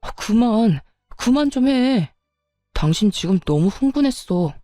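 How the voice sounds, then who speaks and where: An exasperated husband who scolds sharply, as a woman narrator puts him on. The voice is warm and mellow, recorded dry and close. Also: on the high side, lively intonation, measured pace, no room sound, faint music behind. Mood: scolding. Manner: scolding, frustrated.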